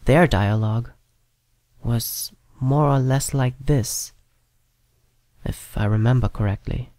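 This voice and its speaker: A man's voice: medium pitch, takes it slowly, darkish tone, dry recording. A man narrating a scripted first-person horror story as if recalling memories. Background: prominent piano and keyboard music.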